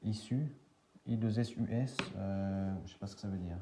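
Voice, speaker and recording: A man's voice: on the low side, moderate pace, background noise. A man casually thinking aloud and spelling out letters as he scratches lottery tickets for a video.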